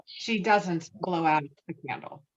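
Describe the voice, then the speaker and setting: A woman's voice: lowish voice, expressive, unhurried. Woman narrating, slightly muffled sound. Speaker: stage-direction narrator. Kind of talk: scripted narration at a table read.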